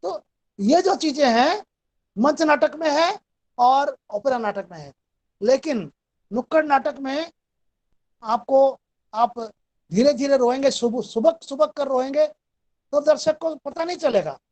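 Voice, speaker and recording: Brief: female lecturer, high voice, calm and methodical, walks students through each point of a recorded class. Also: measured pace, long pauses. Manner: explanatory, steady and methodical.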